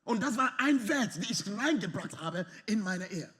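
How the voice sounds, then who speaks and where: A man preaching a sermon in lively, slightly non-native German with English phrases mixed in. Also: sits high, normal speed. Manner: animated, lively, often acts out quoted arguments. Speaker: pastor.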